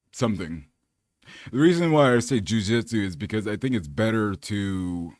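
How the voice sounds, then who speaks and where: A man's voice: fairly low pitch, dry recording, studio quality. A man from California in his thirties, chatting casually to camera as a fitness vlogger, rambling and laid-back with lots of fillers.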